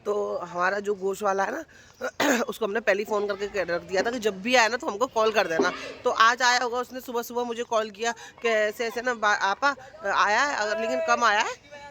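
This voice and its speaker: A woman's voice: mid-range voice, moderate pace, background noise. Chatty woman vlogging her day. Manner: chatty, keeps addressing viewers as friend. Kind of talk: casual daily vlog chat. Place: out and about, later at home kitchen.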